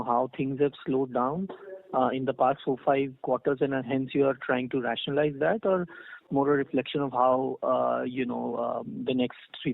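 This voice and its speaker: A man's voice: medium pitch, vocal fry. Indian guy analyst asking questions on a conference call, tinny phone sound. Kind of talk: unscripted earnings call questioning. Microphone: telephone.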